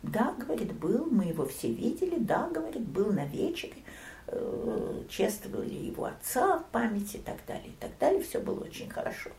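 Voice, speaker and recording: An older woman recounting family memories in an interview, storytelling with lively swings and soft near-whispered asides. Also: a little high, a little fast, echoey room, a little hiss or hum. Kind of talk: oral history reminiscence.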